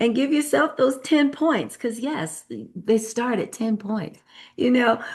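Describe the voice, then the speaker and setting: A woman's voice with vocal fry at a fairly slow pace, over a quiet background. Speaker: show host and motivational speaker. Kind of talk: interview host questions. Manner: energetic, upbeat.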